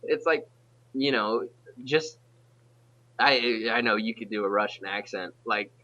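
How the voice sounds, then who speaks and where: Young male podcast host, bright and forceful tone, rambling casual delivery, dull lo-fi audio. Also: lowish voice. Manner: rambling, halting restarts. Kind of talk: casual chat.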